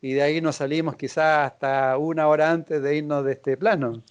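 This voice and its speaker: A man hosting a reflective conversation, calm and affirming, with small hesitations as he builds on his guest's points. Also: a little high, moderate pace, clean tone, muffled recording. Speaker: host.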